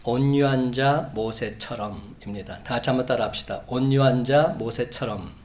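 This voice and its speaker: A man preaching a Sunday sermon as a pastor, measured, building to emphatic peaks. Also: mid-range voice, a crowd in the background. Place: church sanctuary.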